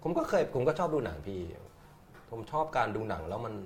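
A man's voice: fairly low pitch, big pitch swings, brisk, slight background noise. A man, a theatre director, talking casually in an interview, rambling and repeating words as he thinks aloud. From Thailand.

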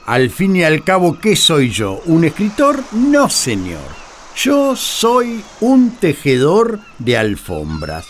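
An actor with an Argentine accent playing Paul the apostle, a weary, tender carpet weaver, in a radio drama. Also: male voice, on the high side, huge pitch swings, takes it slowly, a little hiss or hum, heavily acted. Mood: playfully grumbling.

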